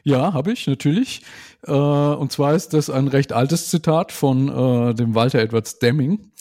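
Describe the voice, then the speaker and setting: Gravelly, mellow-voiced man in his forties. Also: medium pitch. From Germany. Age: 40s. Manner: thoughtful, measured, frequent "ne?" tag questions. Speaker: podcast guest. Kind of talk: casual conversational interview.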